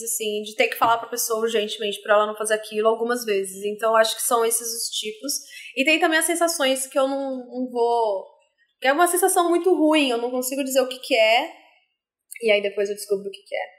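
A woman who answers interview questions hesitantly, searching for her words. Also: on the high side.

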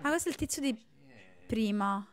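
A young woman streamer giving casual live commentary on a horror game, excitable, joking and yelling threats at the characters on screen. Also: on the high side, normal speed. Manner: excitable, yells and jokes at the game.

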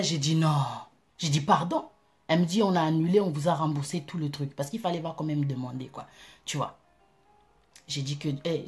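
A woman telling an animated, emphatic personal testimony in a casual way. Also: lowish voice. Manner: animated, emphatic, breaks into laughter. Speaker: Christian vlogger.

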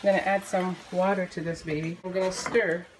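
A woman's voice: lowish voice, flat delivery, brisk, noisy background. A woman in her thirties chatting casually while cooking at home, filming herself on a phone at arm's length, with lots of fillers and rambling asides. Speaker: family vlogger. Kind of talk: casual cooking vlog chat. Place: home kitchen, indoors. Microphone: phone camera held at arm's length.

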